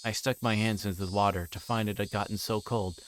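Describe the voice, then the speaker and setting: Male game streamer, lower-pitched voice, alternates read-aloud narration with loose, halting casual chat. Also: steady tone, a little hiss or hum. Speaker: livestreamer. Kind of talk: reading a visual novel aloud with casual chat to viewers.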